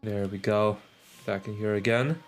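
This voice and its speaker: A man's voice: lowish voice, steady tone, normal speed, faint music behind. Musing male streamer, casual and hesitant. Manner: musing, repeats phrases, hesitant. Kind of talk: casual gameplay commentary. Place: live stream with game audio behind.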